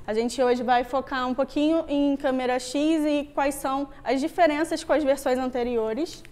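A young Android developer with a carioca Rio de Janeiro Brazilian accent gives an informal, conversational tech talk on stage before a screen in a wooden-floored meetup room. Her high voice is a little mellow, with fairly even intonation and a moderate pace.

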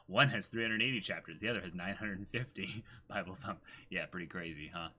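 A man's voice: sits low, a little fast, pushed and bright. A man in his twenties chatting casually as co-host of a livestream. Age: 20s. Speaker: streamer and co-host. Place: small room, indoors.

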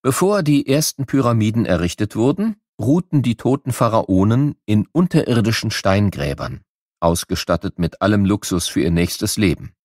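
A man reading scripted educational narration for children in a clear, explanatory storytelling manner. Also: lowish voice, very animated, moderate pace, darkish tone, no room sound, studio quality.

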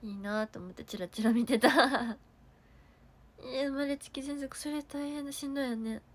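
High-voiced young woman, Kansai accent, coughing. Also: moderate pace. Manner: reads viewer comments aloud and thanks them. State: coughing, throat sore. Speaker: idol livestreamer. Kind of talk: casual livestream chat.

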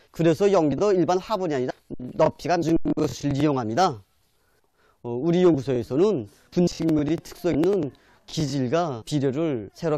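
A man's voice: on the high side, dark tone, no room sound. A man with a North Korean accent explaining his work as a researcher in an interview. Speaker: bonsai researcher.

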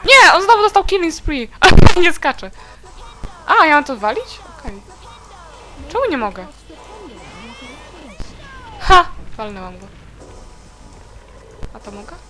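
A woman chatting casually and giggling as she plays through a video game, now and then letting out shrill shrieks. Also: big pitch swings, takes it slowly, pauses often, over loud music, poor audio. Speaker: let's play gamer. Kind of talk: casual gameplay commentary.

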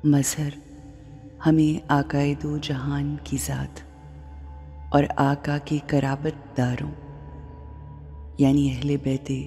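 Woman, guided meditation leader, mellow dark tone, very slow deliberate delivery, long pauses, background music. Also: extremely low pitch. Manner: deliberate, with long pauses between short phrases. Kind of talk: guided meditation, spiritual talk.

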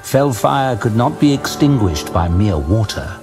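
A man narrating a scripted fantasy story dramatically, in a measured, suspenseful manner. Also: on the low side, animated. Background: music.

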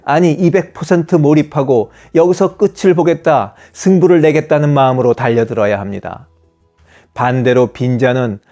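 A man in his fifties, a channel host, reading scripted voice-over narration in a measured, earnest, advice-giving way. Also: medium pitch, a little mellow.

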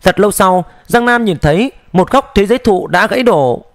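A man narrating a fantasy audiobook in a steady, measured storytelling voice, close to the mic. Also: high-pitched, no room sound.

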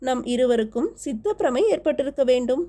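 A smitten young prince from an audiobook novel, speaking in low, gentle murmurs, as a woman narrator reads his lines. The tone is mellow and warm and sits a little high. Each line is read with easy intimacy rather than force. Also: brisk. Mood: tender. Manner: soft, murmuring romantic lines. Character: young Pallava prince, ardent and playful lover. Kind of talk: audiobook character dialogue.

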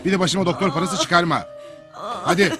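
An actor playing a gruff, tight-fisted village father who brushes off a doctor. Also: high-pitched, fairly quick, music in the background, close to an everyday voice. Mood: brusque. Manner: brusque, dismissive.

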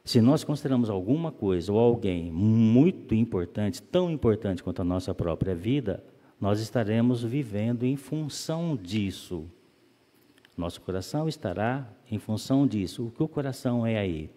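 A man giving a calm, explanatory spiritist lecture, often asking rhetorical questions. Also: fairly low pitch, normal speed. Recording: long reverb of a hall.

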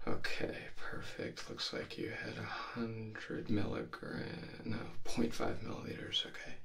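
A man in his twenties in a soft-spoken, often whispering ASMR medical roleplay, playing a reassuring doctor. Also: lowish voice, animated, measured pace, creaky, slight background noise.

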